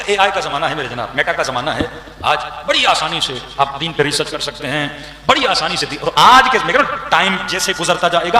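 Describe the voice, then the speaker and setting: High, bright-voiced preacher in a reverberant hall. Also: male voice. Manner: rhetorical questions to the audience, emphatic build-ups. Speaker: cleric giving a majlis address. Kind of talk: religious sermon. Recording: echoey hall with long reverb.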